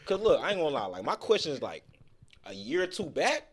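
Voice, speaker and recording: A man with a deep voice, a podcast guest talking in a laid-back, slangy way. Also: big pitch swings, fast. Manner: laid-back, slangy, fills with "you know what I'm saying". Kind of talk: casual chat.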